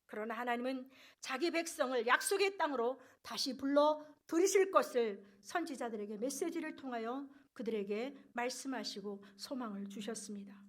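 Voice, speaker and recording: High-voiced woman preaching earnestly. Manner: earnest preaching, rises loud on key phrases, drops soft at sentence ends. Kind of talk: sermon.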